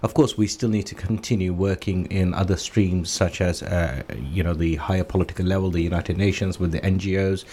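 A man speaking as a guest commentator in a radio discussion, in measured, formal phrases. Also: low-pitched, fairly even intonation, mellow. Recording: noisy line with background ambience.

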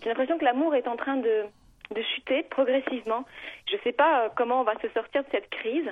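A woman's voice: sits high, fairly quick. French woman on a tinny phone line. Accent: French from France. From France. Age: 40s. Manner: earnest, hesitant, rambling. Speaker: caller. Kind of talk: caller telling her problem on air. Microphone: telephone.

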